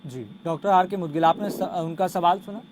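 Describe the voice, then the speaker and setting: High-voiced male show host, noisy sound. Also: brisk. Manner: polite, formal, prompting with questions. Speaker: host of a health call-in show. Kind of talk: formal broadcast hosting.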